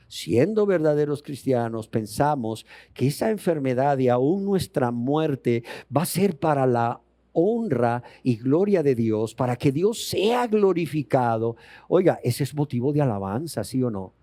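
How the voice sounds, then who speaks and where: A man's voice: mid-range voice, expressive, measured pace, dark tone, no room sound, clean studio sound. A man preaching a sermon as pastor, emphatic and full of rhetorical questions, acting out scripture dialogue in his own voice.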